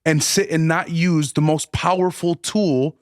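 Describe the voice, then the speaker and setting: A man's voice: a little high, steady tone, no echo, clean studio sound. A man from the United States, speaking passionately as a guest musician in a casual podcast conversation and stressing his key points. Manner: passionate, drawn-out emphasis, says "dog" and "man".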